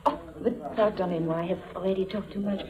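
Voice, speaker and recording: An actress playing a young French woman with a French accent, telling a family story in a 1950s radio drama, earnest and breathy. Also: medium pitch, fairly even intonation, fast, lightly acted. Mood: wistful. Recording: dull old radio recording.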